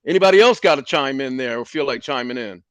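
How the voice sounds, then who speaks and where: A man's voice: medium pitch, expressive, quick pace, dry recording. A man leading an online business meeting, speaking in an emphatic, preachy way over a video call. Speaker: meeting leader. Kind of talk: motivational meeting talk.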